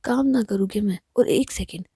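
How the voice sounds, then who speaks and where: A woman narrator voicing a playful young woman pleading with her partner, mostly in a low whisper, with a creaky, husky voice. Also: a little fast, warm tone, no echo, clean studio sound. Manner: whispered, coaxing.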